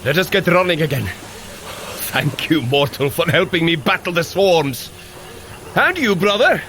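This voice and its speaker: An actor playing a hearty, commanding Norse thunder god in an audio adventure drama, declaiming in old-fashioned heroic speech. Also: male voice, a little high, expressive, measured pace, a bit bright, slight background noise. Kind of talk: audio adventure drama acting for a fitness running app.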